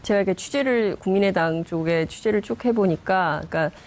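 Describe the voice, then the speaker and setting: A woman speaks in a medium-pitched voice as a reporter on a political panel. She explains conversationally, linking points into long sentences. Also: a little fast, a little mellow.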